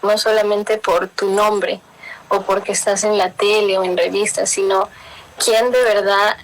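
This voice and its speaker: A young woman from Miami with a Mexican-tinged Spanish accent tells family stories as an interview guest, mixing in English words and laughing often. Her medium-pitched voice has fairly even intonation and a measured pace, warm in its storytelling. The recording quality is low.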